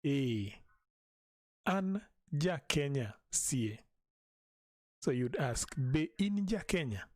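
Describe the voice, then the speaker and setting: A man teaching a language in a live stream, patiently repeating each phrase slowly for learners. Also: on the high side, big pitch swings, a little mellow, no echo, clean studio sound.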